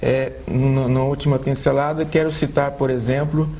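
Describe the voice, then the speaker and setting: A man with a Brazilian accent, an accessibility adviser speaking in a panel debate, earnest and halting, often repeating words. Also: medium pitch, little pitch movement, mellow. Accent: Brazilian Portuguese.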